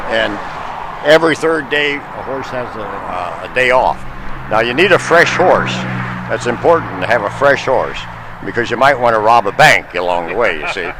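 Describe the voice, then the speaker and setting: With lively intonation, a man at medium pitch speaks over noticeable background noise. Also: moderate pace. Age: 70s. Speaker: long-distance horseback rider raising hunger awareness. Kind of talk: interview answer. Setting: outdoors.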